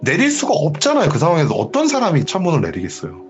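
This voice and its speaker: A man hosting a horror story show, retelling a viewer's ghost story in a lively way and acting out the quoted lines. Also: on the high side, fast, soft background music. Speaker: horror story radio host.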